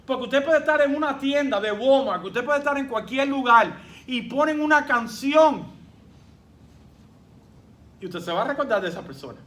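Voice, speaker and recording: A man's voice: very high voice, lively intonation, moderate pace, long pauses, fairly bright tone. A man preaching a sermon as pastor, emphatic, with rhetorical questions and quoted voices of his congregation.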